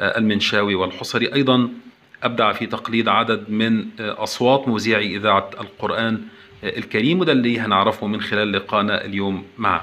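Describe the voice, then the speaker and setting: A man with an unremarkable speaking voice keeps a fairly low pitch and fairly even intonation. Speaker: reporter. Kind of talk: news report intro.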